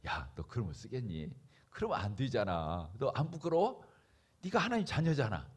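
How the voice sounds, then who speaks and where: A pastor voicing the Holy Spirit as a gentle, fatherly inner voice that chides and praises softly. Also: wildly swooping pitch, fast, husky, heavily acted. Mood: gentle chiding. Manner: low, soft, fatherly chiding and praise.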